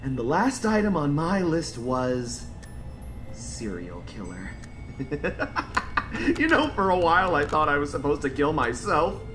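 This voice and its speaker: A man's voice: fairly high pitch, big pitch swings, unhurried, a bit bright, faint music behind. A man playing a mild-mannered sad circus clown who is secretly a killer, in an audio drama, polite and droll in manner. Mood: calm, smug. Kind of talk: full-cast audio drama acting. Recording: faint background noise and ambience.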